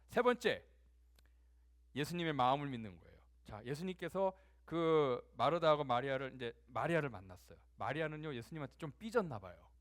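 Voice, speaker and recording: A man preaching a sermon as a pastor in a church, swinging from loud emphasis to soft near-whispers and acting out quoted dialogue conversationally. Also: mid-range voice.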